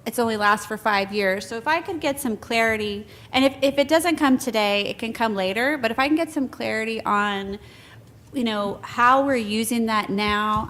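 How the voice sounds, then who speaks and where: A woman's voice: mid-range voice, fairly bright tone. A woman on a school board asking questions in a public meeting, hesitant, with restarts and many ums.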